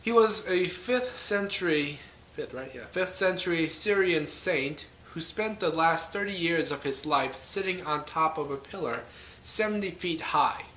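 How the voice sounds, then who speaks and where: A man's voice: fairly high pitch, measured pace, sharp tone, slight background noise. A man rambling casually to camera, thinking aloud and correcting himself with wry asides. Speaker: vlogger. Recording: echoey room.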